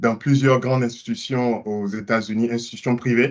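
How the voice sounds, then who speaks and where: A man of medium pitch speaks against a quiet background. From Ivory Coast, Abidjan. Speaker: finance executive, trainer. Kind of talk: webinar lecture. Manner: halting, many hesitations.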